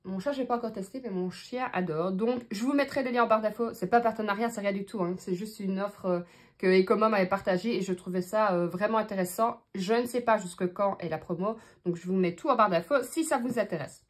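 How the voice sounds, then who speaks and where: Belgian woman chatting through her budget, lots of euh, thinks out loud. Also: medium pitch, brisk. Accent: Belgian French. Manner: chatty, thinks aloud while counting money, many fillers. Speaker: budgeting vlogger. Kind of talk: casual talk to camera.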